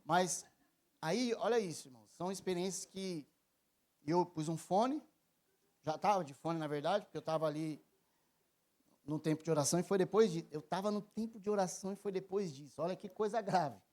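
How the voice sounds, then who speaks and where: A man in his thirties, a Brazilian pastor preaching a sermon, shifting from quiet personal storytelling to loud emphatic appeals. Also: high-pitched, normal speed. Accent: Brazilian Portuguese.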